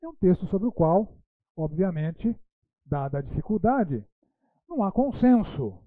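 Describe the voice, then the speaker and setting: A man's voice: sits high, very animated, unhurried, dry recording. A man teaching a Bible school lecture, posing rhetorical questions and tagging his sentences with "né". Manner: rhetorical questions, frequent "né" tags. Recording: tinny phone-like dry sound.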